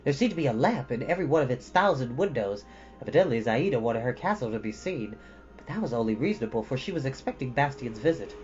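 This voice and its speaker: Male storybook narrator: expressive, animated intonation, slightly lo-fi, with music underneath. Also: medium pitch, quick pace. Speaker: storyteller reading a children's novel. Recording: dull lo-fi audio with music. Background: background music.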